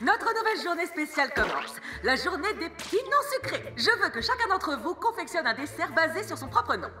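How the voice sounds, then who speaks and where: High, theatrical, bossy cartoon lady. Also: sing-song, fairly quick, pushed and bright, soft background music, heavily acted. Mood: merry, commanding. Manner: theatrical, commanding. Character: jolly, bossy lady announcing a baking challenge. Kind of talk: animated children's cartoon dubbing.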